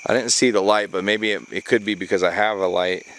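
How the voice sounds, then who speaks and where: A man's voice: fairly low pitch, fairly even intonation, fast, a bit bright, slight background noise. A man talking casually as an adventure vlogger, recorded outdoors at night in the jungle. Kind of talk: casual hushed talk to camera and companion while night camping. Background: crickets and insects.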